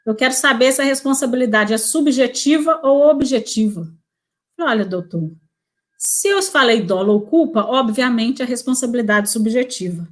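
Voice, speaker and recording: A woman in her forties from Brazil, a prosecutor telling her career story in a relaxed interview, with tag questions and self-corrections. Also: fairly high pitch, moderate pace.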